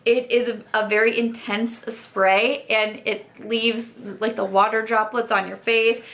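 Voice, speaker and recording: A woman's voice: on the high side, little pitch movement, a little slow, fairly bright tone. Chatty woman vlogger with a sore throat. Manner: chatty, frank, filler-heavy with likes. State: losing her voice from a sore throat. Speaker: beauty vlogger. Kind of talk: casual product review.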